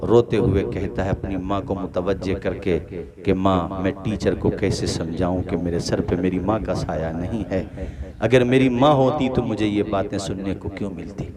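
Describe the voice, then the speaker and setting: A male preacher giving an emotional sermon, building to loud fervent peaks and calling on the listeners to answer. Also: low-pitched, fairly even intonation, normal speed. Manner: impassioned, rises to loud emotional peaks and urges the crowd to respond. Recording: live event with crowd responses. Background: crowd.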